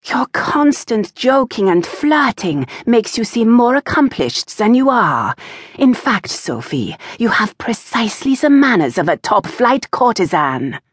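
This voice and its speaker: A woman voicing a stern, proper aristocratic mother who lectures her daughter with sharp disapproval. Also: a little high, big pitch swings, measured pace, husky, dry recording, studio quality, voice pushed up, heavily acted.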